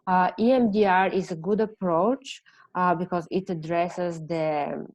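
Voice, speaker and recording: A woman from Bulgaria with a Bulgarian accent presenting an online seminar, speaking haltingly as she searches for words in non-native English. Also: lowish voice, fairly even intonation, a little mellow, no echo. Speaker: presenter, counselor.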